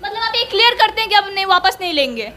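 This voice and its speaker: Very high, bright-voiced woman interviewer. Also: sing-song, quick pace. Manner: probing, pressing follow-up questions. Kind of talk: political interview.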